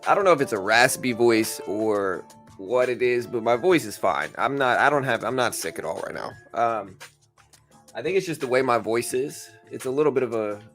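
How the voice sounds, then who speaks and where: A man with a raspy voice hosting a live trading stream, talking to chat in a laid-back, slangy way. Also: medium pitch, animated, moderate pace, fairly bright tone. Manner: laid-back, slangy, addressing viewers as bro. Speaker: livestream host, stock trader. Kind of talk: casual live market commentary with chat. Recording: music playing behind the voice. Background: music.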